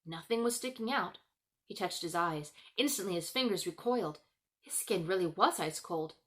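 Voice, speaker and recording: A woman author hosting her own video, with expressive storybook narration and chatty vlog talk. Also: on the low side, normal speed.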